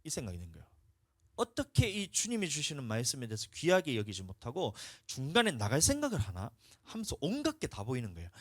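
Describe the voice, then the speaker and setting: A man with a Gyeongsang Korean accent preaching a sermon in a church, telling a testimony and swinging between hushed talk and loud shouts. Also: medium pitch, no echo, studio quality. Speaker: pastor. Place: church sanctuary.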